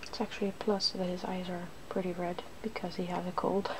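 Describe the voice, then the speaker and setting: A woman hosting a casual ASMR makeup demonstration, soft-spoken and often dropping into a whisper. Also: on the low side, level tone, fairly quick. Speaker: ASMR video host. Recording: faint background noise.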